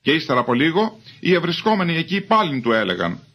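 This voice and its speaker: A man giving a measured, formal reading of scripture as a Bible reader. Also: a little high, sing-song, sharp tone.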